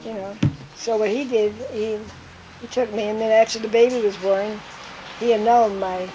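An older woman recounting memories from her life in an interview, telling stories lively and acting out what people said. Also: mid-range voice, normal speed, over music, rough recording. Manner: lively storyteller who acts out quotes with laughs.

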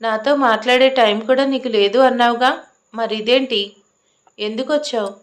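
A woman plays a defiant young heroine in a storybook romance, indignant and argumentative, firing back questions. The voice sits somewhat high and keeps her combative edge. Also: moderate pace, lightly acted. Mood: indignant, angry.

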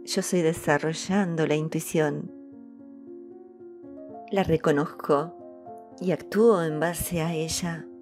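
A woman giving a calm, soft-spoken spiritual message and reciting devotional decrees. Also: low-pitched, slow, long pauses. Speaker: spiritual channel host. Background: soft background music.

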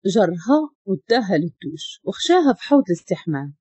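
A woman with a Moroccan accent narrates a story in a lively voice that rises and falls. Her tone is mellow and husky, a little high-pitched. The recording is dry and slightly dull. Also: a little fast, no echo.

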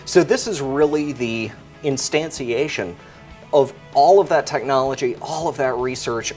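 A man in his forties gives an articulate, technical explanation as a product expert. His pitch is average for a man, and faint music plays behind him. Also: a little mellow.

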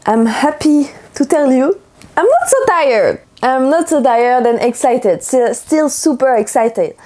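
A young woman from France speaking English with a French accent, chatting casually in her vlog with a hoarse morning voice. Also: sits high, very animated, measured pace, mellow. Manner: chatty, upbeat, loose non-native phrasing. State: hoarse from just waking up. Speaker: athlete vlogger.

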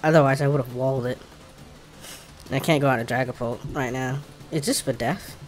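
A man's voice: medium pitch, steady tone, a little fast. Man with an African American accent thinking aloud. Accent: African American English. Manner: informal, thinking aloud, muttering to himself. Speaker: streamer playing a video game. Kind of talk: casual gameplay commentary. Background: game music.

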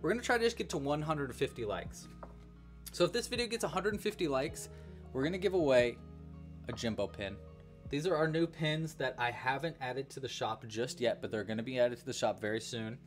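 A young man hosts a relaxed crochet livestream from a home studio, with faint music playing behind him. He talks through each round, counts stitches aloud and thanks donors in a chatty, easygoing way. His voice sits in a middle pitch. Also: brisk. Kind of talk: casual livestream crochet tutorial.

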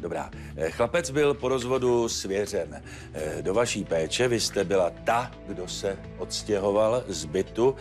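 An actor playing a stern, formal judge who admonishes the parties with frequent hesitant fillers. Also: male voice, lowish voice, expressive, a little mellow, faint music behind, lightly acted. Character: stern measured male judge, controlled. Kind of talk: courtroom TV show acting.

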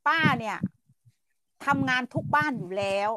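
A woman's voice: high voice, animated, normal speed, bright, forceful tone, dry recording, poor audio. A middle-aged woman from Thailand hosting a casual livestream chat, blunt and ranting, swearing freely and stretching her polite endings for emphasis. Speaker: livestream host.

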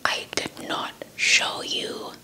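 A young adult woman from South Africa telling a folktale as ASMR in a breathy whisper, repeating words and phrases close to the microphone. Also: slow, sharp tone. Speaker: ASMR storyteller. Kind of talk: whispered ASMR folktale storytelling with playful roleplay. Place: small indoor setup before a cloth backdrop. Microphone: handheld microphone with fluffy windscreen, held close.

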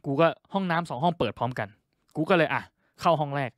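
A man's voice: a little high, animated, quick pace, no room sound, studio quality. A man telling a crude, profane story as a stand-up comedian.

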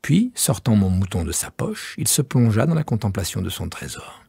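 A man reads a classic tale aloud in a low, gravelly, husky voice. His delivery is intimate and unhurried, dropping to hushed asides and swinging through wide, expressive melody. Soft music sits faintly beneath the close, dry recording. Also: dry recording. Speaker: narrator. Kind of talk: audiobook reading of a classic tale.

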